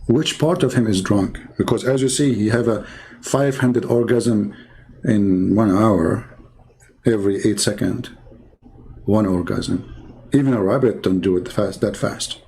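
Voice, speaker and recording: A man's voice: lowish voice, a little slow, dark tone, rough recording. A middle-aged man giving sarcastic commentary in broken English, reading from a website and mocking what he reads. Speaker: online religious debater.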